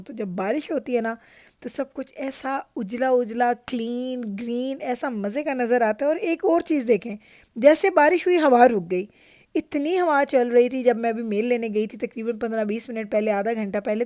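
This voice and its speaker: This is casual vlog narration from a home in Canada by a middle-aged woman with a Pakistani Urdu accent, who is chatty, storytelling, and laughs a lot. Her voice sits on the high side with a darkish tone, in a dry, clean studio recording.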